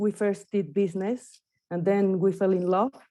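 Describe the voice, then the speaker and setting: A woman's voice of medium pitch with a dark, mellow tone. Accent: Spanish. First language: Spanish. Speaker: actress, filmmaker's widow. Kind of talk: prepared statement read aloud. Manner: halting, with fillers.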